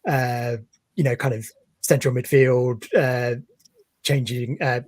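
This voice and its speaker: A man talking football as a guest on a video call interview, measured and thoughtful with many pauses. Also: medium pitch, level tone, no echo. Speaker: guest, football fan page creator. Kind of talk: casual interview chat.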